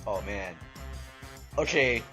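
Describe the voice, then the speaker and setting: A man's voice: fairly low pitch, expressive, slow pace, bright, forceful tone, soft background music. Crude, joking male podcast guest. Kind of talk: casual podcast banter.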